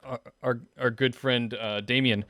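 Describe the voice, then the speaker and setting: A man hosting a casual panel discussion, talking in a halting way as he thinks aloud. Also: medium pitch, fairly even intonation, a bit bright, no echo. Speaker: host.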